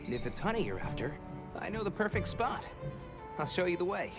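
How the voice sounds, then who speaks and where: Young male village guide for a game, confident and helpful, lightly high, lively, loud music underneath. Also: fairly quick. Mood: helpful, friendly. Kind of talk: video game voice acting.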